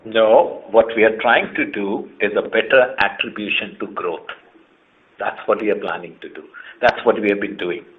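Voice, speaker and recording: On a muffled, band-limited conference call line carrying a bit of hiss or hum, an Indian man in the role of CEO gives earnings-call answers. His voice sits on the low side at a moderate pace, and he makes his points emphatically, one after another.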